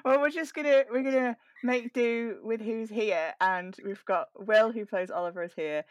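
A woman's voice: fairly high pitch, normal speed, dry recording. Casual, wry woman in a dry recording. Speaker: host organising an audio drama table read. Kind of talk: casual chat.

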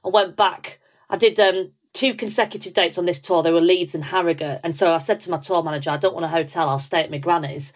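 A woman's voice: lowish voice, steady tone, fast. Chatty Yorkshire woman telling stories. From Yorkshire, England. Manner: chatty storyteller, lots of likes and ums. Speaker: comedian guest. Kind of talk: casual podcast chat.

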